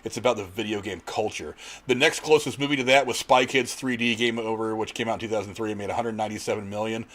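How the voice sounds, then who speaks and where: A man's voice: fairly low pitch, fairly even intonation, fast talker, fairly bright tone. A man hosting a casual panel discussion, explaining his points in a conversational, illustrative way. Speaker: podcast host.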